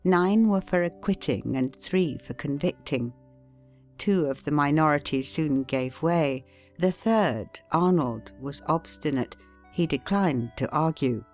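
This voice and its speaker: A woman with a notably low voice reads an old self-help book aloud as an audiobook. She takes her time and leans on key words with steady pauses. Soft instrumental music plays quietly under her. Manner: measured, deliberate reading with emphatic pauses. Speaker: audiobook narrator. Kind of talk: scripted narration of a classic self-help book.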